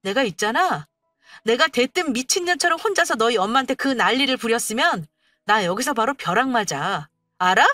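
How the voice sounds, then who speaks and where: 여성이 재연하는 당찬 젊은 아내가 날카롭게 맞받아칩니다. 목소리가 약간 높고 억양이 크게 움직이며, 음악이 깔린 건조한 녹음입니다. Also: female voice, a little high, expressive, moderate pace, no echo, soft background music. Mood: furious retorts. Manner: sharp, cutting retorts. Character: fierce young wife fighting back.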